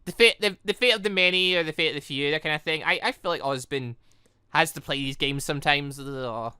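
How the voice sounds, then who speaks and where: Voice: medium pitch, brisk, sharp tone, smooth, no room sound, clean studio sound. A gaming YouTuber doing rambling, thinking-aloud playthrough commentary on a visual novel, reading its dialogue out. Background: game music.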